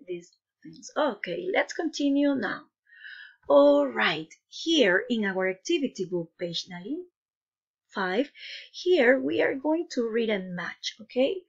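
Lady teacher doing a slow kids show host thing, very lively ups and downs, asks lots of little questions, bit muffled audio. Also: fairly high pitch. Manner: kids show host style, encouraging, addressing viewers directly; frequent questioning tags like "no?" and "okay?". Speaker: primary school English teacher. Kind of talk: children's online lesson, prompting pupils with questions.

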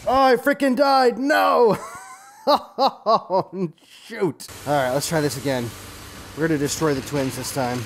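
A man with a slightly high voice talks himself through a video game. He speaks casually in short, repeated bursts and exclaims in mild, clean language. Game music plays behind him. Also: takes it slowly. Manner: exclamatory, self-narrating, mutters repeated short phrases. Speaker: gaming video host. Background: game music and sound effects.

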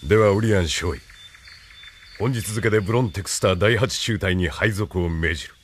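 An actor playing a stern, cold military colonel who gives orders in a measured, commanding tone in an anime radio drama. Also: male voice, low voice, a little hiss or hum, natural voice.

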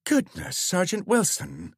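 A man voicing an excitable, gossipy village postwoman with an eager, breathless delivery. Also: sits high, unhurried, creaky, slightly rough, no room sound, studio quality, pitched above the performer's own voice, exaggerated voice. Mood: excited.

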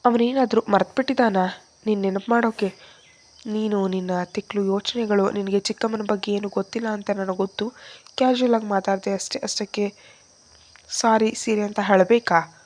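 A woman voicing an angry young man who scolds his girlfriend loudly from a hospital bed. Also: mid-range voice, fairly even intonation, normal speed, close to an everyday voice. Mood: scolding. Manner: scolding, loud and sharp.

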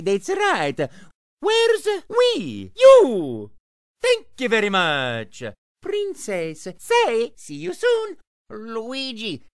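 A woman's voice: very high-pitched, fairly bright tone, no echo, clean studio sound, full character voice. A woman voicing a cheerful adult male Italian plumber hero in a video game, with an exaggerated Italian accent and a playful, exclamatory manner. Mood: cheery.

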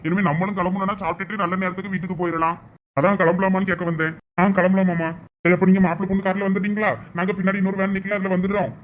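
A woman voicing a polite middle-aged village man, the bride's uncle, with a Thoothukudi Tamil accent, briskly hurrying everyone along. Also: mid-range voice, flat delivery, a little hiss or hum, pitched below the performer's own voice, lightly acted.

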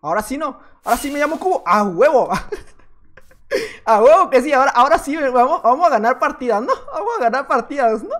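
A man's voice: extremely high pitch, sing-song, quick pace, hardly any pauses, a bit bright. A man with a Mexican accent giving playful, joking gameplay commentary as a youtuber, laughing often. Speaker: youtuber gamer.

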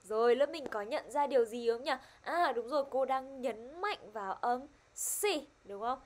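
A woman's voice: on the high side, normal speed, a little mellow, slight background noise. A woman teaching a primary-school English lesson online, upbeat and coaxing. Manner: upbeat, coaxing, switches between two languages.

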